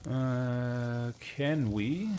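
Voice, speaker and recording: A man's voice: mid-range voice, very slow, darkish tone. Man thinking aloud over noisy game audio. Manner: thinks aloud through tactical decisions. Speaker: gamer playing and commentating. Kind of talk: casual let's play commentary. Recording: clear background noise, game ambience. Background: video game ambience.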